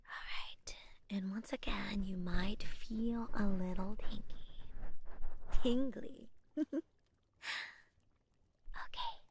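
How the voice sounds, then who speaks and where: A woman's voice: medium pitch, takes it slowly, long pauses, noisy background, lightly acted. A woman whispering in the role of a friendly, playful young witch shopkeeper who teases and giggles. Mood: whispery. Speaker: ASMR roleplay creator. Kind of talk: ASMR roleplay.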